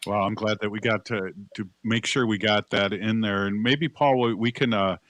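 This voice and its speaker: A man's voice: fairly low pitch, fairly even intonation, moderate pace, a bit bright, no room sound. A man co-hosting a live radio event in a casual chatty style.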